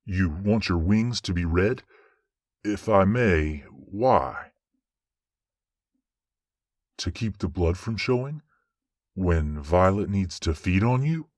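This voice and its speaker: Man acting as low-voiced, commanding judge angel. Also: animated, darkish tone, no room sound, studio quality, heavily acted. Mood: curious, gracious. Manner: measured, commanding, formal. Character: stern but fair male judging angel, authoritative. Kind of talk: audio drama acting.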